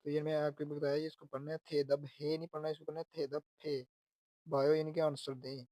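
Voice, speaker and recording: A man's voice: a little high, level tone, fast talker, warm tone, dry recording. A man teaching Korean, patiently explaining phrases word by word. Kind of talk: explaining Korean exam lessons.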